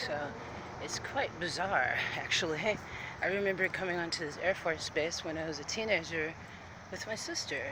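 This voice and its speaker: Rambling man vlogging on a noisy street. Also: fairly high pitch. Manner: rambling, chatty, with laughs and restarts. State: slightly out of breath. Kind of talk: casual walking vlog. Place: outdoors on streets near an air base. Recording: noisy outdoor street with traffic. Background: traffic and urban ambience.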